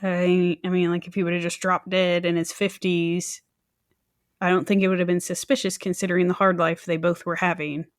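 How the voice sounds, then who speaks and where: A woman's voice: lowish voice, level tone, moderate pace, no echo, clean studio sound. A woman co-hosting a true crime podcast, chatting casually and jokingly, with little asides in acted voices. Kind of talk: casual banter about a crime case.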